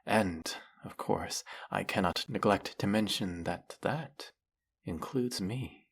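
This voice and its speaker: Fantasy audio drama: man as zealous demon servant, deep husky voice, grandly reverent, flirtatious and fawning. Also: takes it slowly, heavily acted. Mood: flirty, worshipful. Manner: grandiose, theatrical, reverent, obsequious.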